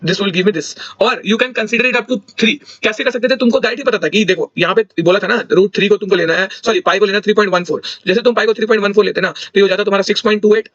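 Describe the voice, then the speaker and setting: A young man with a fairly high voice talks through exam solutions in a casual, thinking-aloud way, often correcting himself mid-sentence. The recording is dull and lo-fi, with a dry, close sound. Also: quick pace, hardly any pauses, fairly bright tone, no echo. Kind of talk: casual explanatory walkthrough.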